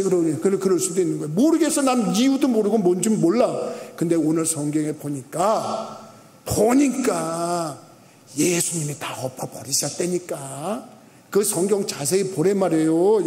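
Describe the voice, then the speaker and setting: A middle-aged male pastor preaching a sermon in a church, talking in a loose, colloquial way and acting out little scenes as he goes. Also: sits high. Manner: colloquial, animated storytelling with acted-out asides. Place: church sanctuary. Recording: echoey hall reverb.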